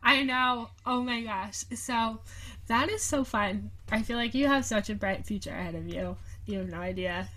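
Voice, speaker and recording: A young woman hosts a podcast over a video call recording, chatting casually with a slightly high, sharp-toned voice at normal speed. She's giggly and bubbly, using lots of fillers.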